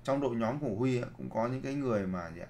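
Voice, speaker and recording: Man, seminar trainer, rhetorical questions, repeats key points, mid-pitched voice. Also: lively intonation, rapid-fire, a little mellow, a little hiss or hum. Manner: asks rhetorical questions, then answers them himself; addresses the audience directly and repeats key phrases. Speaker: leadership trainer. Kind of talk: seminar lecture.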